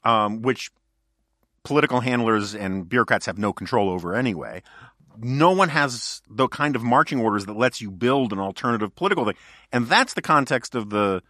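A man's voice: mid-range voice, expressive, a little fast, pushed and bright, no room sound, clean studio sound. A male podcast host in casual political chat, talking in a wry, joking, digressive way.

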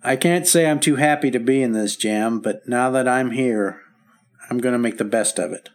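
A man's voice: medium pitch, natural voice. A man playing a wry, stubborn patient. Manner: wry, joking, halting when upset. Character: recovering husband, wry and stubborn. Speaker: hospital patient. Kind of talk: 1950s radio acting.

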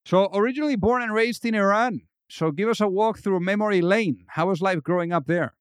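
A man's voice: sits high, brisk, clean tone, dry recording, studio quality. A man hosting a podcast, introducing his guest in an upbeat, chatty way with filler phrases. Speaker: podcast host. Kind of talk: casual interview hosting.

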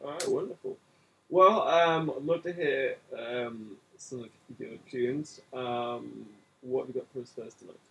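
A man hosting a radio show, chatting with guests in an easygoing way and pausing on fillers. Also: mid-range voice, vocal fry, a little hiss or hum, rough recording. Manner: easygoing, hesitant with many fillers. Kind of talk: casual radio interview.

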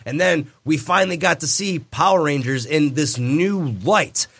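A man's voice: fairly high pitch, moderate pace, a bit bright, husky. A man co-hosting a podcast, making his points in an emphatic, insistent way. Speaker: podcast co-host. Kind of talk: casual chat.

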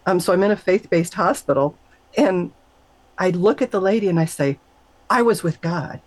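A woman's voice: moderate pace, darkish tone, no echo, low-quality recording. A middle-aged woman, a guest on an interview show, telling her personal story in an earnest, conversational way. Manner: earnest, acts out quoted voices with high pitch jumps. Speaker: guest sharing a near-death story.

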